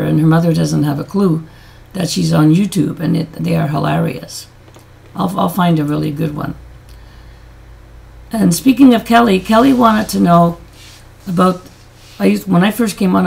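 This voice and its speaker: A woman with a deep, throaty voice chatting in a rambling, self-deprecating way on a casual beauty vlog; her voice has changed and she can't hit high notes. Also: vocal fry. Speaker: beauty vlogger.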